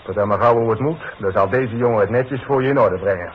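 An actor playing a cocky, mocking young demolition worker in a 1960s radio play, brash and taunting. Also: male voice, medium pitch, quick pace, natural voice. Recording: tinny, noisy 1960s radio recording.

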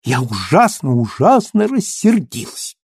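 A man's voice: high-pitched, moderate pace, slightly rough, dry recording, clean studio sound, voice pushed up, heavily acted. A man voicing a playful, petulant young wife who coaxes and pouts. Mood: pouting, coaxing. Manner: coaxing, pouting, lively.

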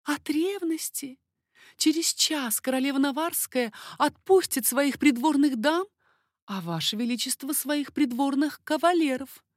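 Brief: a woman playing a coy young baroness, high and breathy, lilting and teasing. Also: lively intonation, measured pace, dry recording, clean studio sound. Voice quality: breathy, airy whispers. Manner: coquettish, lilting.

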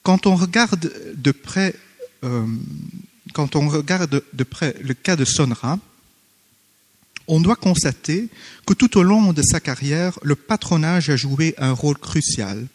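A man who is not a native French speaker, formally reading a conference paper with hesitant pauses and self-corrections. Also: on the high side, animated, in a large hall. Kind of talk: academic conference paper read aloud. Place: conference hall.

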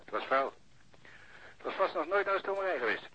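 An actor playing a chatty, eager forensic lab investigator in a radio crime drama, with hesitant interjections. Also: male voice, high voice, sing-song, brisk, husky, exaggerated voice. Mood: eager, informative. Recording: dull lo-fi radio recording, faint noise.

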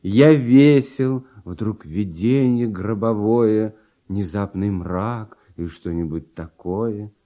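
An actor playing a cheerful, carefree genius composer in a verse radio play, with light-hearted, expressive theatrical delivery. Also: male voice, on the low side, slow pace. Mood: musing. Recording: dull vintage radio play recording, music behind.

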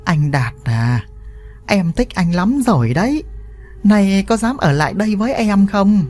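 A loud, coaxing village woman with a flirty streak, cooing and exclaiming over her guest, as a male storyteller puts her on. The voice sits higher than a man's usual and swings around a lot, with faint music underneath. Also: big pitch swings, unhurried, full character voice.

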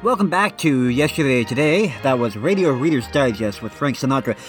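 A man's voice: medium pitch, expressive, brisk, soft background music. A man hosting a radio show in a casual, hesitant, improvised way.

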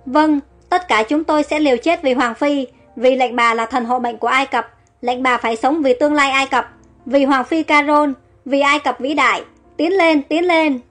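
Loyal male soldiers shouting rallying cries for their queen, as a woman narrator reads them. The voice is high, over faint music. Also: normal speed. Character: brave loyal Egyptian foot soldiers, male.

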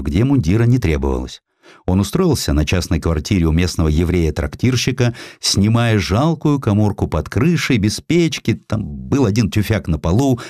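A man narrating historical stories as an audiobook, in an expressive, theatrical manner. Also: deep voice, no echo, studio quality.

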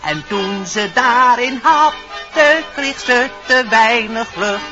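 A performer playing an eager forest animal witness, telling things in measured rhyme in a musical radio play. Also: medium pitch, lively intonation. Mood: eager, explaining. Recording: dull radio recording with music.

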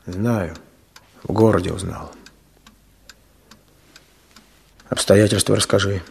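An actor playing a steady, decisive village official in a Russian radio drama. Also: male voice, deep voice, normal speed, creaky. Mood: grave, probing. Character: steady, decisive village official, male, stern yet considerate. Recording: slightly noisy old radio play recording.

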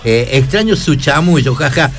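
A man hosting a live radio show with a Córdoba Argentine accent, chatting casually and teasing his co-hosts with quick jokes. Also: mid-range voice, expressive, faint music behind. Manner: joking, teasing, quick asides. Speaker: radio host. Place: radio studio.

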